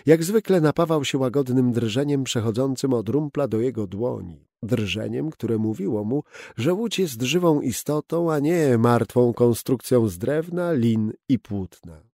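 Brief: male audiobook narrator, warm gravelly voice, dry close studio sound. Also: medium pitch, unhurried, few pauses, dry recording. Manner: steady, expressive storytelling. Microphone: close studio mic.

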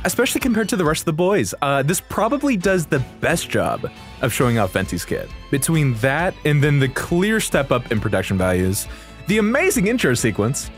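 Casting: young male gaming creator, enthusiastic and slangy, lively swings in pitch, faint trailer music behind. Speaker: video game content creator. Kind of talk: casual reaction commentary. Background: game trailer music.

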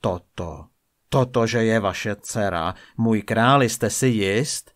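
A man voicing a calm, soft-spoken male painter, speaking lower and slower. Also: close to an everyday voice. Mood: quiet.

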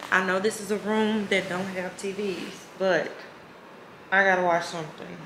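A woman's voice: mid-range voice, little pitch movement, normal speed, fairly bright tone, slight background noise. Chatty woman vlogging in an echoey room. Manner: chatty, candid, swears freely. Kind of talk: casual vlog chat. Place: hotel room.

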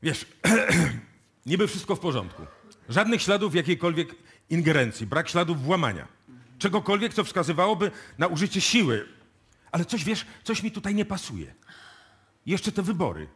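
A seasoned police inspector in his forties for a radio drama. The voice is husky and a little high for a man. He is brisk and wry, doubting what he is told. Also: very animated, fairly bright tone, full character voice. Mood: puzzled. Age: middle-aged. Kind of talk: radio play acting. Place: music studio, played live before an audience.

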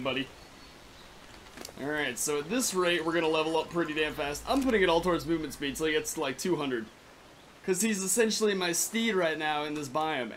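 Raspy young man, sore throat, slightly high voice, excitable swearing gameplay talk, faint hiss behind. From California. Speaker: gaming YouTuber. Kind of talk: casual gameplay commentary.

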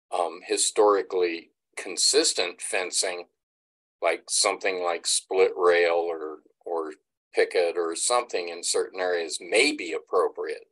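An older man speaking in a halting, thoughtful way with frequent ums, commenting at a public meeting on a video call from home. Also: sits low, fairly bright tone. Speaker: board member. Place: home room, indoors.

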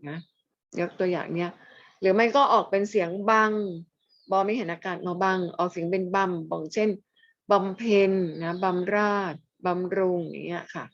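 A woman teaching a language lesson over a video call, asking questions, chiding quiet students and then answering her own questions. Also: medium pitch, no echo. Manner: chiding students who stay silent, asking questions and answering them herself. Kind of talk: online class lecture. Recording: dull lo-fi dry audio.

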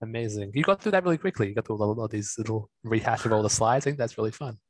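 A man's voice: on the low side, very fast, dry recording. A man moderating a webinar, reading out audience questions in an upbeat, effusive way. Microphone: video call.

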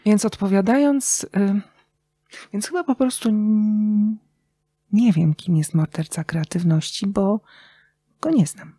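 A middle-aged woman talking casually and reflectively as a podcast guest, telling stories expressively with thoughtful pauses. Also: mid-range voice, warm tone, slightly rough, dry recording. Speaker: interview guest, radio journalist and writer.

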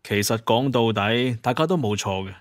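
A man's voice: mid-range voice, animated, normal speed, dry recording, close to an everyday voice. Man acting a level-headed master hunter, dry sound. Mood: calm, reasoning. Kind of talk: audio drama acting.

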